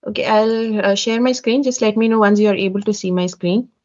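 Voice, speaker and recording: A woman's voice: medium pitch, brisk, darkish tone. A woman running an online onboarding meeting for interns, polite and hesitant, with many fillers. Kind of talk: online meeting, training briefing. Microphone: video call. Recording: dull lo-fi call audio.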